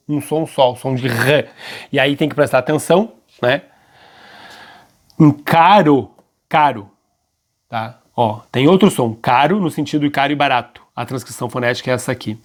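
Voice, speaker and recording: A man teaching a grammar lesson, keeps checking in with his students and slows down to stress key points. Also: medium pitch, a little mellow. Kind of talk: classroom-style grammar lesson.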